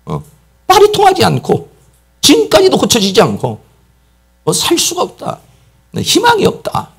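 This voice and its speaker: A man preaching from the pulpit, his voice rough with fry and climbing and dropping across a very wide pitch span. He is a middle-aged Korean pastor who leans hard on repetition and breaks into acted-out lines to drive each point home. Insistent and emphatic throughout. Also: huge pitch swings, moderate pace. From South Korea. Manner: emphatic, acts out quoted speech, repeats "막" often. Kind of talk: sermon.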